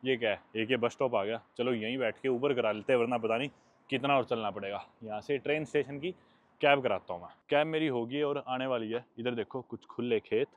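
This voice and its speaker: A man's voice: medium pitch, a little fast, muffled recording. A young man from India, chatting casually as a travel vlogger while walking outdoors and explaining what he sees. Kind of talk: casual travel vlog narration. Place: outdoors by a road in a small town.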